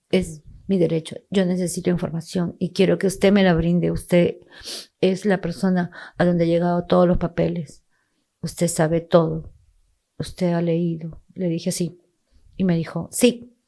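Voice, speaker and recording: Gravelly, husky middle-aged woman. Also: lowish voice, warm tone. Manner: emotional, quotes officials in tense voices. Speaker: grieving mother, guest. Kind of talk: emotional testimony.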